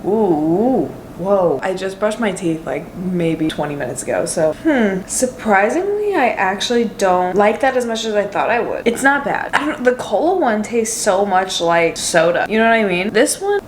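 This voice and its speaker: A young woman in her twenties vlogging in a casual, upbeat, rambling way, a little hoarse from a head cold. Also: medium pitch, sing-song, moderate pace, few pauses, a little hiss or hum. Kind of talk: casual vlog chat to camera.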